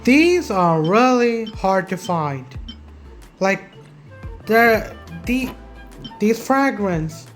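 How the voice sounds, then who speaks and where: Female gaming streamer; informal, slow-paced, halting commentary over faint game music. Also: mid-range voice, lively intonation. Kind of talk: casual gameplay commentary.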